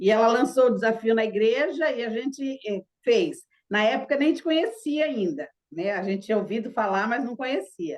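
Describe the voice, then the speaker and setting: A woman speaks at a moderate pace with lively intonation and a fairly high pitch. She has an unremarkable speaking voice. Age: 60s. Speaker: client of a nutritionist, churchgoer. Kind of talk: casual interview. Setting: podcast recording.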